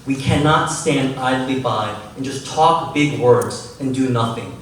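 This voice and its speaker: A man's voice: mid-range voice, measured pace, a bit bright, a little hiss or hum. Guy candidate, fired-up rhetorical speech, far mic, echoey. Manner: impassioned, rhetorical. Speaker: congressional candidate. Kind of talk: campaign forum closing statement. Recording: echoey hall, mic heard from afar.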